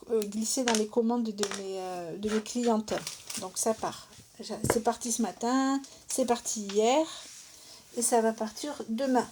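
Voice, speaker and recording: A woman's voice: on the high side, background noise. A middle-aged woman from France giving a casual live jewelry-making tutorial, chatty and thinking aloud, often checking in with her viewers. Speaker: jewelry maker selling her work.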